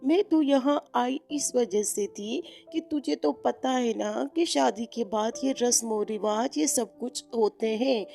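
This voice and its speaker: A woman's voice: a little high, slow pace, creaky, hardly any pauses. A woman voicing a bossy cartoon mother-in-law. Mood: coaxing. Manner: shouting, scolding. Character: bossy middle-aged mother-in-law, loud, pushy. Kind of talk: Hindi cartoon voice acting. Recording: background music.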